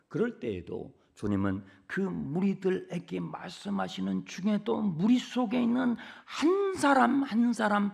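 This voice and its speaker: A male pastor preaching from a church pulpit in a high, lively voice with a gravelly edge. He moves between near-whispers and loud, emphatic repeated phrases. He talks with the congregation and asks them questions. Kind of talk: sermon.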